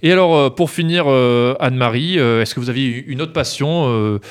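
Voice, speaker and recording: A man's voice: mid-range voice, moderate pace, clear, resonant tone. A man hosting a radio interview on location, asking questions with frequent fillers. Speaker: radio host. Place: nursing home.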